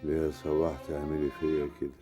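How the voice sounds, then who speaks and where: A man's voice: rumbling low, monotone, quick pace. An actor with an Egyptian accent playing a proud man who is bitter, anguished and cursing the woman who betrayed him. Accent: Egyptian Arabic. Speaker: betrayed husband. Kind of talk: TV drama acting. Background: music score.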